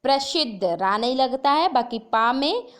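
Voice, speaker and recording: A woman teacher explaining spelling mistakes over slides, repeating each word slowly and stressing its letter sounds. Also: high voice, expressive. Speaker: Hindi grammar teacher.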